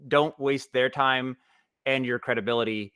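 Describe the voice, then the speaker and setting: Guy on a panel talking casually, medium pitch, keeps restarting his sentences, dry room sound. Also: fairly even intonation, bright, forceful tone, clear, resonant tone, no room sound. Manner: halting, restarts thoughts repeatedly.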